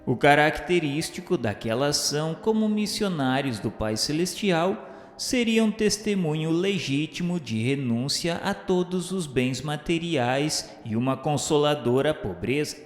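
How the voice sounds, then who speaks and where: A man with a Brazilian Portuguese accent reads a religious radio drama narration in a formal, solemn, measured way. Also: fairly high pitch, lively intonation. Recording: roomy reverberant sound with music underneath. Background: music.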